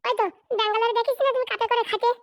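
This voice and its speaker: A clingy, suspicious cartoon wife pleads and needles in a very high, chipmunk-like voice. She talks fast. The sound is close and dry. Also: level tone, no echo. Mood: coaxing. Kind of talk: sped-up cartoon voice acting.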